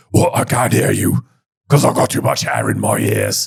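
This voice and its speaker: A man puts on a character voice that is raspy and angry in tone. He delivers it at a moderate pace. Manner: gruff, angry.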